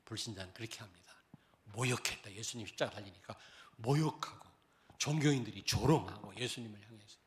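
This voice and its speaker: A man preaching a sermon to his congregation, chatty and direct, jumping from loud outbursts to quiet, murmured asides. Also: fairly low pitch, fairly quick. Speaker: pastor. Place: church sanctuary.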